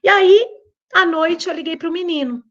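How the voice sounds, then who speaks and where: A middle-aged woman with a Brazilian Portuguese accent tells a story in a high, bright voice. She repeats phrases for emphasis and acts out the dialogue. The recording sounds dull and lo-fi. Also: normal speed. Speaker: lecturer and behavioral trainer. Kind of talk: storytelling talk.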